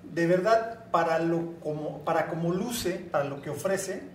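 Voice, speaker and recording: High-voiced man hosting a podcast. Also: a little slow. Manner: warm encouraging interviewer, finishes guest's sentences. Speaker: podcast host. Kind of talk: casual interview chat. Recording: roomy echo, faint noise.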